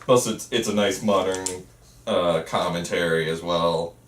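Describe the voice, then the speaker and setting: A man speaks in casual conversation with a fairly low voice. The sound is very roomy, and he sits well back from the microphone. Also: steady tone, unhurried, fairly bright tone, a little hiss or hum. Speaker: writer of a student film script. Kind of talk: casual chat. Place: indoor room at a group table read. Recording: echoey room, far from the mic.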